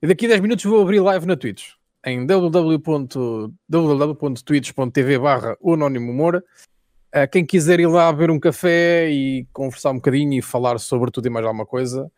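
A man's voice: a little high, brisk, a little mellow, no echo, studio quality. A man with a European Portuguese accent, a guest streamer chatting casually and jokingly.

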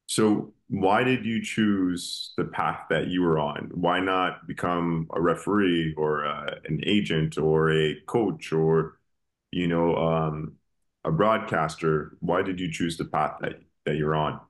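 A man's voice: rumbling low, fairly even intonation, slow pace. A man hosting an interview, introducing his guest and asking questions in an upbeat, conversational way. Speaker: podcast host.

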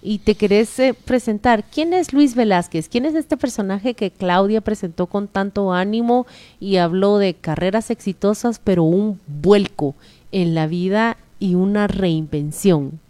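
A woman, hosting an interview and introducing her guest in a lively, welcoming way. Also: medium pitch, measured pace, no room sound. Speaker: interview host.

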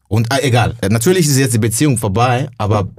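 A young adult man from Burundi, a stand-up comedian, talking casually and emotionally as a podcast guest, slangy and full of halting restarts. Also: medium pitch, breathy edge, no echo. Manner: slangy, says "bro" often, halting restarts.

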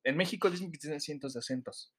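A man's voice: on the high side, quick pace, fairly bright tone. A man with a Mexico City accent co-hosting a casual podcast chat, trading playful banter. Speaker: podcast co-host.

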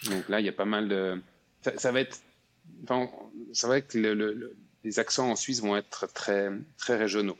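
A man's voice: on the low side, steady tone, moderate pace, a little hiss or hum. A man with a Swiss French accent from Geneva, a podcast guest chatting casually and hesitantly, with many restarts. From Switzerland. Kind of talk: casual interview chat.

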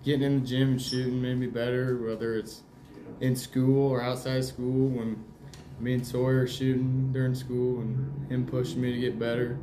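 A teenage young man giving brief, low-key answers in a casual interview as a basketball player. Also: little pitch movement, normal speed. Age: teens. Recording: echoey room with clear noise.

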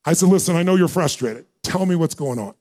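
High-voiced man telling a stage story. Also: animated, fast talker, darkish tone. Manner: punchy, acts out quoted dialogue, asks the crowd questions. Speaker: motivational speaker. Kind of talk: live seminar storytelling to an audience.

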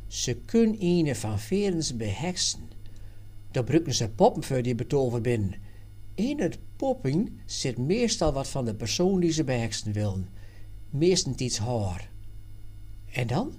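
A man reading a story aloud as narrator in a plain, steady way. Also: medium pitch, a little slow.

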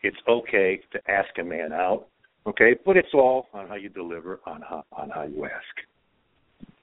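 A man's voice: low voice, lively intonation, unhurried, no room sound. A man from Croatia giving emphatic dating advice as a guest, often tagging his points with "okay?", heard over a phone-like line. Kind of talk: casual chat advice.

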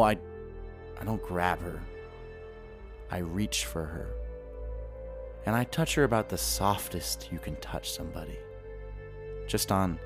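Deep-voiced, lovestruck deputy. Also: male voice. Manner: halting, self-correcting, earnest. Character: earnest, lovestruck small-town sheriff's deputy confessing his feelings. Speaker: podcast fiction actor. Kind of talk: confessional audio drama monologue.

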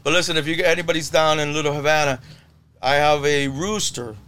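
A man guesting on a casual podcast, his voice sitting a little high for a man. He talks about his cigar business in an easy, rambling way, doubling back on his words and swearing offhandedly. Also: steady tone, fairly quick, fairly bright tone, smooth. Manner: chatty, repeats himself, swears casually. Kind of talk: casual chat.

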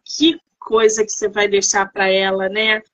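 A woman's voice: mid-range voice, little pitch movement, normal speed, a bit bright. A woman interviewing an author, with effusive, admiring exclamations in a casual chat.

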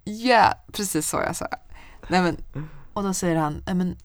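A young woman chatting casually, telling a story in a lively way and swearing often. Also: on the low side, no echo.

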